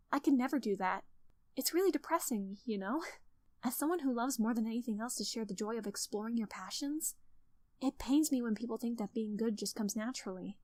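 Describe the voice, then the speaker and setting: Woman doing a encouraging anime game schoolgirl, kinda high voice, earnest and chatty advice giver, really dry recording. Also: no room sound, natural voice. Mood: earnest, wistful. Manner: earnest, gently instructive, conversational. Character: cheerful, encouraging teenage girl literature club president. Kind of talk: scripted character monologue of writing advice.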